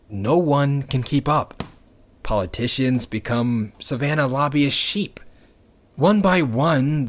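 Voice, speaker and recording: A man playing a bitter, sardonic rebel in an audio drama, addressing listeners with dramatic pauses and pointed, sweary emphasis. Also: mid-range voice. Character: bitter, sardonic male rebel recounting a dystopian future.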